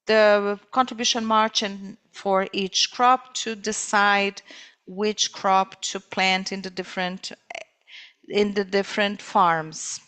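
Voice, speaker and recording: A woman interpreting live on a corporate call, speaking in halting phrases with pauses mid-sentence. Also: mid-range voice, a bit bright, clean tone.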